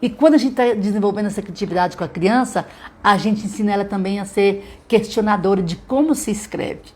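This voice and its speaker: A woman's voice: medium pitch, brisk, slightly rough. Chatty teacher woman. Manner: chatty, checks in with frequent tag questions. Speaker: literacy teacher. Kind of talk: live-streamed teaching talk.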